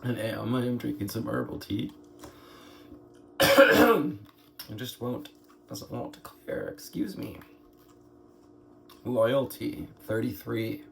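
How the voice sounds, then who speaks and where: A man with a scratchy, hoarse throat gives an unhurried spiritual card reading, musing aloud through pauses. His voice is gravelly and sits at a middling pitch. Faint noise hums behind him. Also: very animated. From United States. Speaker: tarot reader.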